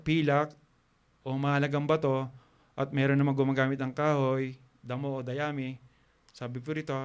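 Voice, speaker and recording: A man preaching a sermon, halting with fillers and restarts, asking the congregation questions. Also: mid-range voice, clean tone.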